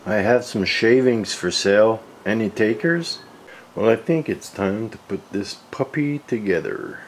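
A man's voice: lowish voice, lively intonation, a little slow. A man giving a casual, folksy how-to narration while working in a garage workshop. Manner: folksy, informal. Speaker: host of a woodworking channel. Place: home garage workshop, indoors. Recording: clear background noise, workshop ambience.

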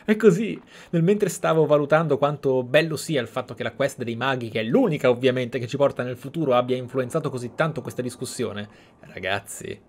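A man's voice: medium pitch, fairly quick, few pauses. A man giving reflective, explanatory commentary as he streams a roleplay game. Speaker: gaming streamer and host.

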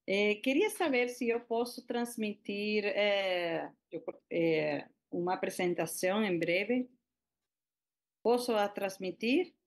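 A woman's voice: mid-range voice, takes it slowly. A middle-aged woman from Venezuela, speaking with a Spanish accent, presents remotely over a video call at a public hearing, hesitating often with fillers and restarts.

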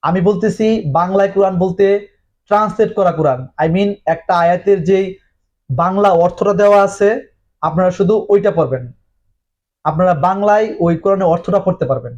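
A man's voice: high-pitched, a little fast, darkish tone, highs cut off. A man giving a direct-to-camera talk on religion, earnest and persuasive, throwing rhetorical questions at the viewer and dropping in English words. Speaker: religious commentator.

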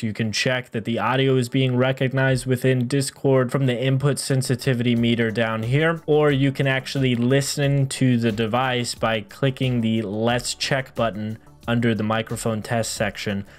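A man in his thirties hosting a software tutorial, explaining things methodically step by step in an instructional style. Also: mid-range voice. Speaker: tutorial host. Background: background music.

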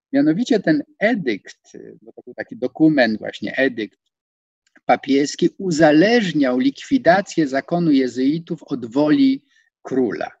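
A man in his sixties giving an online lecture from a home study, hesitating with many fillers and stressing words with rising pitch. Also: darkish tone, no room sound. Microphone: video call. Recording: dull, dry video-call audio.

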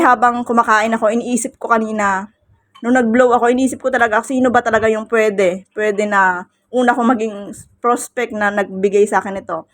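Heartfelt woman in her thirties, slightly high voice. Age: 30s. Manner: heartfelt, emotional, mixing English phrases into her speech. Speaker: vlogger. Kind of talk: casual birthday vlog talk to viewers.

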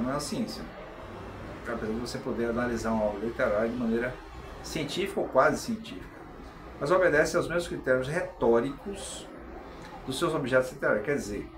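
A middle-aged Brazilian man, a channel host who explains philosophy, gives an informal video lecture at medium pitch, chatting conversationally and often checking in with tag questions. He's indoors in a small tiled room, and the recording is echoey with clear background noise.

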